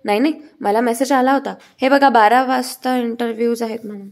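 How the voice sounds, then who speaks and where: A woman's voice: a little high, fairly even intonation, a little fast, a little mellow, close to an everyday voice. A woman voicing a young female nurse applicant who apologizes and pleads for a chance. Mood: pleading.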